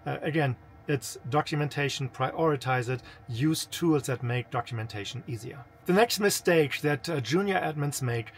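A man's voice: medium pitch, normal speed, a little hiss or hum. Man explaining in non-native English accent. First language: not English. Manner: conversational, explanatory. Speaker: senior IT manager giving career advice. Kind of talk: informal instructional talk to camera. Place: small camper interior.

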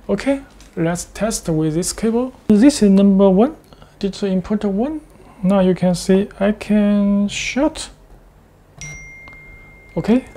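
Mellow, man giving a tutorial. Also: high voice. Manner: step-by-step, halting non-native English phrasing. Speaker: product demonstrator. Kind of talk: screen-share tutorial with live demonstration.

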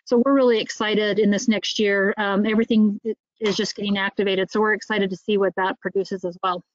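A woman's voice: mid-range voice, level tone, brisk, no room sound. A woman giving an informal progress report as a state agency representative in an online meeting. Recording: dry, slightly dull online meeting audio.

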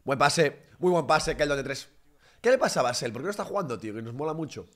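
A young man giving excitable live reaction commentary on a basketball game, bursting into shouts. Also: a little high, fast.

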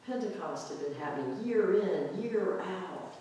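A male pastor giving a reflective, conversational sermon in a church sanctuary, drawing out key words slowly for emphasis. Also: high voice, animated, warm tone, slight background noise. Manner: reflective, conversational preaching with slow drawn-out emphasis. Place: church sanctuary with pipe organ, indoors. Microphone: far camera at back of sanctuary. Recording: very echoey church hall from far off.

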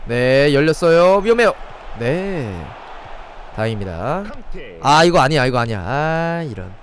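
There's a little hiss or hum as a young man with a fairly high voice streams a football video game at a measured pace. He narrates the plays excitedly and chats with his viewers in between.

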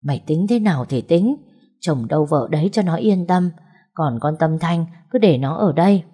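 Woman reading as a doting old grandmother, low and husky, storybook. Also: lively intonation, moderate pace, mellow. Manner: scolding yet doting. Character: older grandmother, fussing and kindly.

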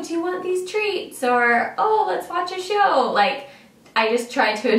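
A woman's voice: medium pitch, fairly bright tone. A young woman chatting casually to camera, giving tips with lots of fillers. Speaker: vlogger sharing travel tips. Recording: roomy sound, mic at a distance.

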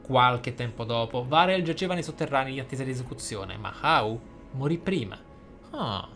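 A man's voice: medium pitch, lively intonation, normal speed, a bit bright, faint music behind. A man, a gaming host reading in-game text aloud expressively, with casual, playful asides.

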